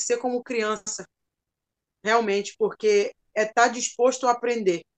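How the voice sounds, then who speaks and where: A woman's unremarkable speaking voice, fairly high in pitch, with fairly even intonation and a moderate pace, recorded dry and close with no echo over a quiet background. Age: 20s. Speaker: pastor and missionary. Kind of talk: religious teaching talk.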